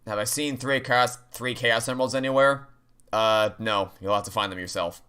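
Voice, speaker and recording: A man's voice: mid-range voice, fairly even intonation, moderate pace, bright, forceful tone, clean tone. A man streaming a video game, chatting casually and rambling with dry sarcastic asides. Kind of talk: casual livestream chat and game commentary. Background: game music.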